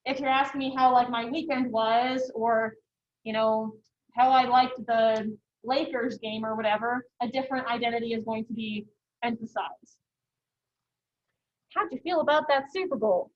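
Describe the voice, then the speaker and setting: A woman's voice: fairly high pitch, fairly even intonation, normal speed. A woman in her thirties, a college instructor giving a casual classroom lecture, chatty and full of "you know" fillers. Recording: dull lo-fi lecture recording.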